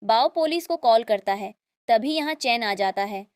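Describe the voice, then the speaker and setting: High-voiced woman narrating a drama recap. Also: lively intonation, no echo, studio quality. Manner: brisk storytelling, reads characters' lines plainly.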